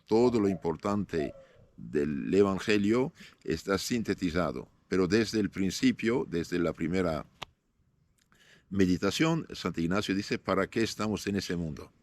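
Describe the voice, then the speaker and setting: A man in his fifties, born in northern Syria with Aramaic as his first language, answering interview questions as a priest in a measured way, often pausing with fillers. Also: sits low, animated. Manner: measured, halting with frequent "eh" fillers and restarts.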